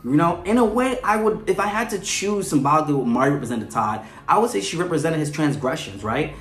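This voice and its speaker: A man's voice: fairly high pitch, lively intonation, fast. A man hosting a podcast with casual, analytical commentary, conversational and often checking in with the listener. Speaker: podcast host. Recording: echoey room with faint music.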